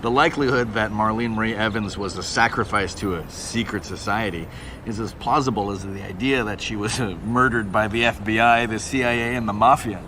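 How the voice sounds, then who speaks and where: An actor playing a self-assured, opinionated Hollywood murder-tour guide who talks casually with a wry edge. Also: male voice, fairly low pitch, a little fast, lightly acted. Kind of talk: casual conversational explaining. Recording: noisy outdoor city street ambience. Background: street and traffic noise.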